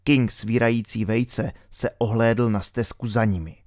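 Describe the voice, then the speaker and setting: A man's voice: mid-range voice, steady tone, darkish tone, no room sound, studio quality. Man narrating a thriller audiobook dryly. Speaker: audiobook reader.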